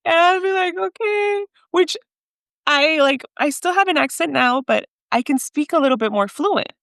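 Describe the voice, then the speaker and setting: A woman with a high, expressive, slightly bright voice speaks at a normal pace with some creak, recorded dry in a clean studio. A podcast guest raised in the United States by Mexican parents, she tells her personal story hesitantly and emotionally, slipping Spanish phrases in.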